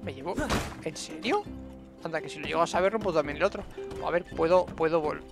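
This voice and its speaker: Young guy from spain streaming a game, chatty n playful, castilian accent, croaky fry in his voice, game music behind. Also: a little high, brisk. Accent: Spanish from Spain. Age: young adult. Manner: chatty, playful self-talk with diminutives. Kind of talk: casual gameplay commentary. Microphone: headset microphone.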